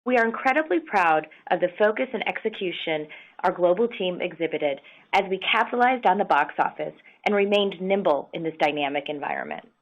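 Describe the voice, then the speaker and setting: A woman with an American accent and a lowish voice delivers a scripted corporate results presentation. She is formal and measured, like an executive addressing investors. The sound is dull and band-limited, as on a conference call. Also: sing-song. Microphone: conference call line.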